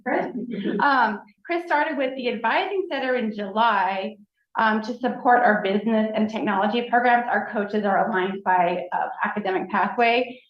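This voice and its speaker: Woman, fairly high voice, upbeat college advising director, board meeting room, echoey, dull lo-fi sound. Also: normal speed. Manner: upbeat, enthusiastic. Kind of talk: presenting new staff at a board meeting.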